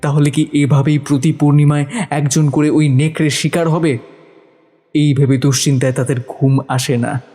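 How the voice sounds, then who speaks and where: A man's voice: on the high side, little pitch movement, normal speed. A man narrating a village ghost story in a dramatic scripted style. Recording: narration over loud music. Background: music with crickets.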